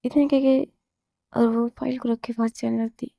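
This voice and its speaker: A woman telling a romance story in a relaxed, casual way, moving between narration and the characters' lines, with loose fillers. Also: fairly high pitch, normal speed, vocal fry, dry recording, studio quality. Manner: narrates plainly, slips into quoted dialogue, loose fillers.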